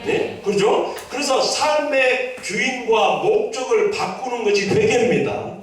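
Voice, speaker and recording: A man with a Jeolla Korean accent preaches an emphatic sermon in a very high voice. He repeats his key points and draws amens from the congregation. His voice comes from well away from the mic and rings through a very echoey church hall. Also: a little slow, distant mic. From Jeolla, South Korea. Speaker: pastor. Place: church sanctuary.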